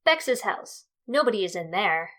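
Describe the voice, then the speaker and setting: A woman's voice: medium pitch, sing-song, a little slow, fairly bright tone. Woman playing an exasperated young homeowner. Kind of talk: audio drama character acting.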